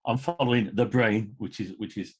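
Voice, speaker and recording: A man's voice: lowish voice, moderate pace, slightly rough. A man in his fifties talking as a podcast guest in an enthusiastic, emphatic, rambling conversational way. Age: 50s. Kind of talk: casual conversational interview.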